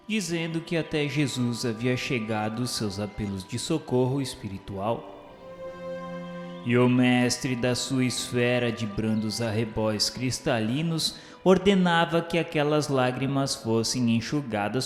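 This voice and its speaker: A Brazilian man narrating a scripted religious radio drama in a solemn, measured, literary way. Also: mid-range voice. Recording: echoing hall-like reverb, music behind. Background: music.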